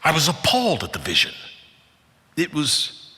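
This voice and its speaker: A man delivers a dramatic scripture reading in a large hall with long reverb. His voice is bright and forceful, swinging widely in pitch. He phrases everything theatrically, leaning hard on key words and pausing deliberately. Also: huge pitch swings. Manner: emphatic, theatrical, with deliberate pauses. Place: large indoor conference hall.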